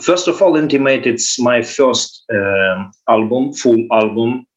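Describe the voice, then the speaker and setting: A man from Ukraine, not a native English speaker, talking haltingly as a guest musician in a casual interview, pausing often to find his words. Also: mid-range voice, dull audio. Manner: halting, searching for English words with many fillers.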